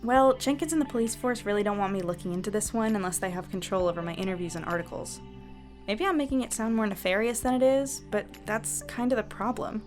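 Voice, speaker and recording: A woman's voice: medium pitch, fast talker, soft background music, lightly acted. A woman playing an earnest, curious young journalist in a fiction podcast, polite and a little hesitant. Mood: candid, wry. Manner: hesitant, stammering when caught out, polite. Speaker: newspaper editor and narrator. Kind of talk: fiction podcast acting and narration.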